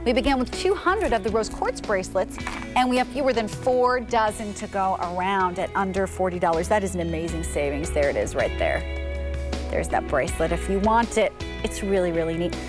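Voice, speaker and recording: A woman hosting a live shopping channel, chatty and enthusiastic as she pitches jewelry. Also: expressive, fairly quick, music in the background.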